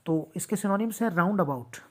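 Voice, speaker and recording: Woman teacher going over again and again, slightly low voice, terms. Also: lively intonation, quick pace, a little mellow. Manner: repeats each word and its meaning, patient. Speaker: vocabulary teacher. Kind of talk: explanatory lesson with repetition.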